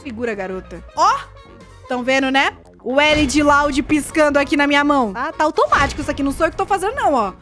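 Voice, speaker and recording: A young woman with a Brazilian Portuguese accent, chatting excitedly through a gameplay video with frequent squeals and exclamations. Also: high-pitched, fast. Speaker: gaming YouTuber. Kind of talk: casual gameplay commentary. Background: game music and sound effects.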